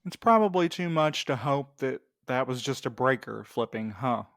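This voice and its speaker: A man playing a gentle, level-headed young courier with a measured, questioning manner in an audio drama. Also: mid-range voice, animated, vocal fry, dry recording, clean studio sound, faint music behind. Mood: resigned. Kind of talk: naturalistic audio drama acting.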